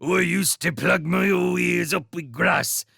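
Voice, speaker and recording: A man doing a gravelly rustic old mole. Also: high voice, measured pace, sharp tone, dry recording, studio quality, voice pushed up, full character voice. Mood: wry. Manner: broken rustic dialect.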